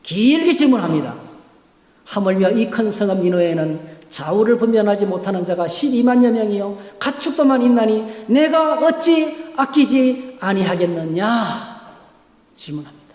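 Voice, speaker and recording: A male pastor delivers a sermon in a high, ringing voice. He pushes to loud, urgent peaks and then falls back to quiet, intimate lines. The sound carries the long, roomy echo of a church sanctuary. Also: animated, moderate pace. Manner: emphatic preaching with sweeping rises and drops in volume. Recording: echoey church hall.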